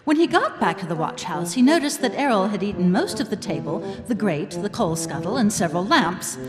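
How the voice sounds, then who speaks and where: A woman's voice: mid-range voice, big pitch swings, a little fast. Woman narrator over prominent music, in a hall. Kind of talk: scripted dramatic narration. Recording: reverberant live hall, music underneath.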